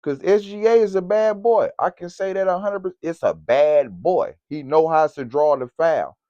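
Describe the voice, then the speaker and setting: A man giving casual, slangy basketball commentary as a vlogger, in an animated, direct way. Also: on the high side, normal speed, no echo. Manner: animated, slangy, talks straight to camera. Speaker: sports vlogger. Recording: dull, lo-fi, dry recording.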